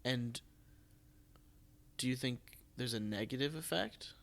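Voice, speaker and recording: A man hosting a casual interview, speaking haltingly and often rephrasing his questions. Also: medium pitch, gravelly, fairly bright tone. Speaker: podcast host, theatre producer.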